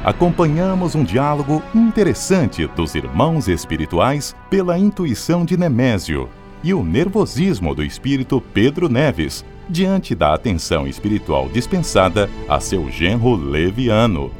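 A man's voice: mid-range voice, big pitch swings, measured pace, a little mellow. A man announcing a radio drama in a dramatic, scripted narration style. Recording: clear music under announcer.

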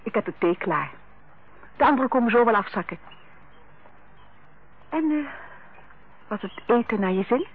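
An actress in a Dutch radio play playing a hospitable, placating mother who hushes and soothes. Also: a little high, lively intonation, normal speed, long pauses, breathy edge. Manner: placating, gently hushing. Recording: tinny, noisy old radio recording.

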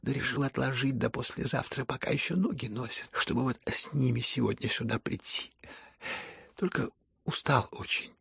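A man reading a storybook who voices a dying young man, calm and ironic, speaking hoarsely at barely a whisper. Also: mid-range voice, normal speed, dry recording. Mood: weary.

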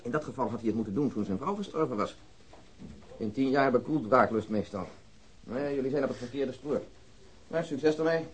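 A male police officer, played by a radio actor, with a mid-pitched voice and a matter-of-fact manner. He lays out facts drily, with a wry edge to his delivery. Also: brisk, slight background noise, lightly acted. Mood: dry, wry. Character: dry, matter-of-fact male police colleague giving case background. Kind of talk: Dutch radio drama dialogue.

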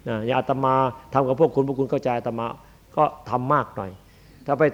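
A man's voice: medium pitch, fairly quick. A man, a Buddhist monk, giving a dharma sermon in a blunt, emphatic, demonstrative way. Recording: dull lo-fi archive recording.

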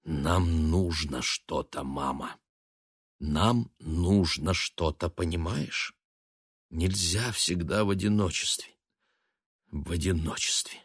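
A man's voice: sits low, slow pace, slightly rough, no echo, studio quality, full character voice. A man playing a bitter, desperate young adult son, with a strained, pleading delivery. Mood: hushed. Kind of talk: audiobook character voice.

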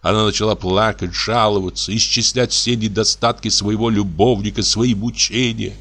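A man narrating a classic story in an expressive, dramatic audiobook reading. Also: fairly low pitch, normal speed.

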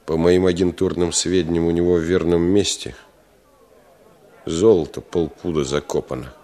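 Actor as a deep-voiced, sly village schemer. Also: male voice, fairly even intonation, moderate pace, warm tone, natural voice. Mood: insistent, conspiratorial. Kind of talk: Russian radio drama acting.

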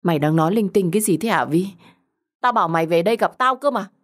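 A woman's voice: fairly low pitch, expressive, fast talker. A woman voicing a betrayed young woman in an audio story, pleading, agitated and urgent as she makes angry threats. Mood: agitated, confused.

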